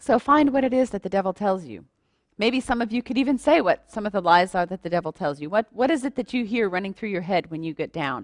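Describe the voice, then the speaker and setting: Very fast and with very wide pitch swings, a woman with an American accent talks in a medium pitch, the sound dry and close with no echo. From United States. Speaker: speaker. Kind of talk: sermon.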